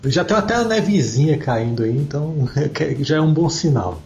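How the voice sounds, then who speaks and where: A young Brazilian man hosting a podcast in a relaxed, easygoing way. The recording is roomy and dull, and faint music plays underneath. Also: a little high, fairly quick. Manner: relaxed, reads listener comments. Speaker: podcast host. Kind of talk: casual chat.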